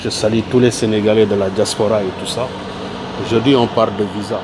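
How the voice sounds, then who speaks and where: A Senegalese man, a tourism worker with a Senegalese French accent, pleads his case earnestly in a street interview, repeating his points. His voice is lowish and steady, and he talks fast. The background is noisy.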